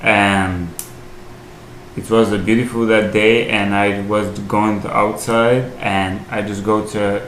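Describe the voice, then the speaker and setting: A young man from Albania with an Albanian accent, answering interview questions in halting English as he searches for words. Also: on the low side, little pitch movement, fairly bright tone. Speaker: podcast guest. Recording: echoey room, faint hiss.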